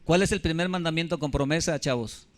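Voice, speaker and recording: A pastor in his fifties preaches in a slightly high voice for a man. He speaks with emphasis and keeps turning to the congregation with questions. His delivery is a sermon, direct and insistent. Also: a little fast. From Mexico. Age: 50s.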